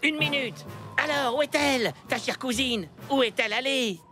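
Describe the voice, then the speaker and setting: A woman voicing an excitable, bossy female townsperson in a dramatic, emphatic way for a French cartoon dub. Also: high-pitched, moderate pace, over loud music. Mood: dramatic, teasing. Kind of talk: French animated series dub.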